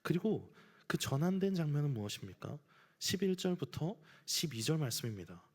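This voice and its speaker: A man's voice: fairly high pitch, big pitch swings, moderate pace, breathy edge. A man preaching a sermon as pastor, earnest, sometimes acting out everyday scenes. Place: church sanctuary. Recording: church hall reverb.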